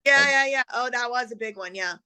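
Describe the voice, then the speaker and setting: A woman's voice: fairly high pitch, fairly quick, sharp tone, soft background music. A middle-aged woman chatting casually as an interview guest, laughing often and growing emotional as she remembers. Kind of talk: casual conversation.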